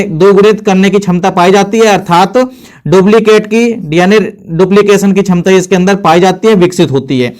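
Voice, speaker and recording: High-voiced teacher quizzing himself. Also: male voice. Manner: repeats points, asks and answers own questions. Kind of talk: board lesson.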